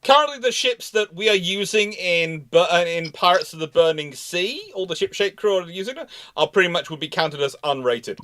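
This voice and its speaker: A man's voice: high voice, lively intonation, moderate pace, few pauses, sharp tone. A man hosting a live question session, explaining casually and emphatically, often restarting his phrases. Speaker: host answering live audience questions. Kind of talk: casual expert discussion, explanatory.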